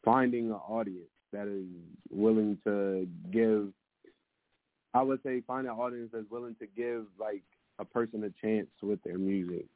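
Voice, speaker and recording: A man with a deep voice answering interview questions about his music in a relaxed, hesitant way, with lots of fillers and restarts. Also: a little slow, noisy background. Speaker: musician guest. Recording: dry, narrow phone-like sound.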